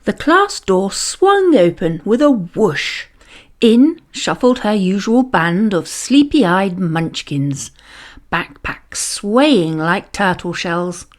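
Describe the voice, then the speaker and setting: A woman reading a children's story aloud with dramatic, expressive narration. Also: medium pitch. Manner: animated, dramatic, deliberate storytelling.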